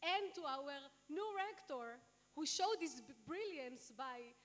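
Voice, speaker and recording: High-voiced Israeli woman at a podium. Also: animated, fairly bright tone. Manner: earnest, fast, with many fillers and restarts. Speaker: award recipient giving thanks. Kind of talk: acceptance speech at a podium. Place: large lecture hall on stage. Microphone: podium microphone on a stand. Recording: long hall reverb.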